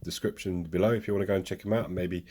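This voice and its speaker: Rapid-fire and steady in tone, a man with a low voice rambles cheerfully about his model railway work, with noise in the background. He records in a hobby room on a camera mic, mocking himself lightly and wandering into side remarks.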